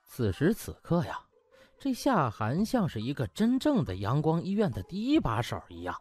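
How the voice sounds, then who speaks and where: A man narrating a comic audiobook as a lively storyteller. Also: a little high.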